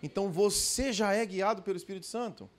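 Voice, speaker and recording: A man's voice: high voice, fast. A man preaching a sermon at a church conference, telling stories animatedly and calling out to the congregation with frequent tag questions. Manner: addresses the congregation directly.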